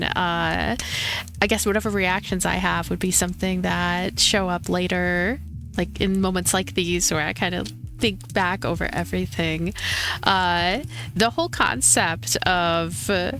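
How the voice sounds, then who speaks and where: A woman's voice: lowish voice, fairly even intonation, unhurried, a bit bright. Woman casually rambling over a game. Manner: tentative, rambling, thinking aloud. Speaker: let's play host. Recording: faint game music behind.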